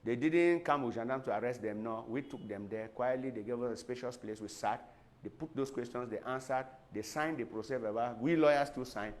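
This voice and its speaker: A man, a lawyer earnestly recounting events in an interview with measured, repetitive phrasing. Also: mid-range voice. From Cameroon.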